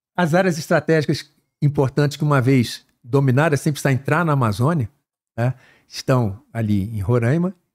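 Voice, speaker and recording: A man speaks at a moderate pace, his voice somewhat breathy. The background is quiet. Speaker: guest. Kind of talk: interview answer. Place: studio. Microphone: studio mic.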